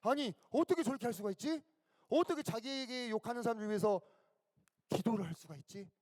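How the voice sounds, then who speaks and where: A man's voice: extremely high pitch, fast, darkish tone. A man voicing a repentant robber who speaks in an earnest, wondering way. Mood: amazed. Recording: echoey hall.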